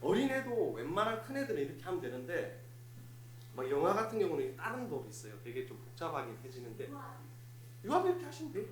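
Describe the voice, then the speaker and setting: Male fire safety instructor, hands-on demo, slightly high and lively voice, faint hum behind. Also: quick pace, reverberant. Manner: instructive, repetitive, talks to a live group. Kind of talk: hands-on first aid demonstration. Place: hall of a place of worship.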